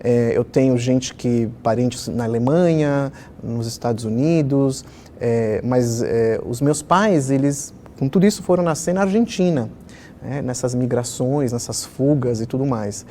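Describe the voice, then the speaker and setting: Speaking unhurriedly in a mid-range voice, a middle-aged man born in Israel shares personal anecdotes as a children's author. The interview is animated and conversational, full of fillers, with slight noise in the background.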